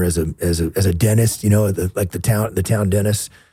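With an American accent, a somewhat breathy, dark, mellow tone and fairly even intonation, the speaker moves at a fairly quick pace in a very clean recording with a silent background. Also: man. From US South, rural Southeast Texas. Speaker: military veteran and leadership consultant. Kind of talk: casual interview conversation. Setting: studio, in person.

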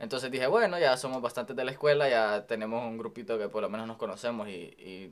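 A man with a medium-pitched voice speaks at a very fast pace. His pitch varies in an ordinary way. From El Salvador. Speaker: engineering student. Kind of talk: casual chat.

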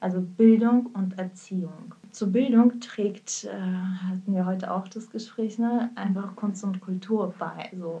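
With hardly any pauses, a woman speaks very slowly in a somewhat breathy, dark, mellow tone, medium-pitched with fairly even intonation. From former Soviet Union. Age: 30s. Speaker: podcast co-host. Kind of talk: casual chat.

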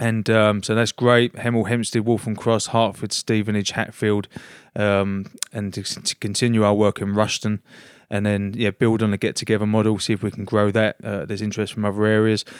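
The speech comes at a fairly quick pace in a flat monotone, with a dry, close sound, no echo, and a very clean recording with a silent background. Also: man, fairly low pitch for a man. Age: 30s. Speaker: social entrepreneur. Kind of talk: interview.

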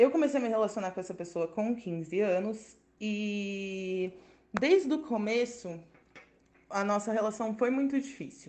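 A woman speaks at a fairly slow pace in a plain, everyday voice, fairly high in pitch with ordinary pitch variation. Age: 20s. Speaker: survivor of abusive relationship. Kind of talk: testimony. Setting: recorded voice messages.

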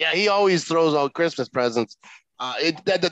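A man with a Wisconsin accent, fairly high-pitched for a man, at a fairly quick pace with lively intonation, in a dry, close recording with no echo. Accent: Upper Midwest (Wisconsin). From Wisconsin, Green Bay. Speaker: sports fan guest. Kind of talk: casual chat. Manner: halting, many fillers.

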